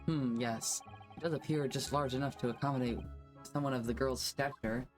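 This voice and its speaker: A streamer voicing a haughty, formal courtroom lord from a game in a pompous, measured way. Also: medium pitch, fairly even intonation, soft background music, lightly acted. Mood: probing. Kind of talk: amateur game dialogue reading.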